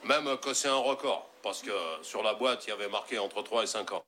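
A man telling a joke in an animated way, with many fillers and restarts. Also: lowish voice, brisk, very noisy. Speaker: joke teller. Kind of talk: telling jokes.

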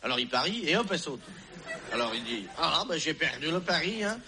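A man's voice: on the high side, sing-song, brisk, pushed and bright. A man telling a joke in a rambling way, with many fillers and restarts. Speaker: joke teller. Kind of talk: telling jokes aloud.

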